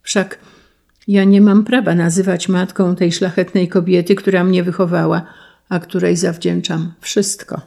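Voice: mid-range voice, little pitch movement, measured pace, gravelly, a little mellow. A reader voicing a proud young count who gives up his name and estate, dignified and firm in an audiobook reading.

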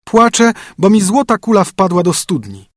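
A man voicing a spoiled young princess in a high, whiny, breathless way. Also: sing-song, normal speed, no room sound, clean studio sound. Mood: pleading.

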